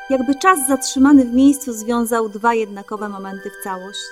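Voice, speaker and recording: Gentle higher-voiced woman narrator. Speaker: audiobook narrator. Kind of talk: scripted first-person narration.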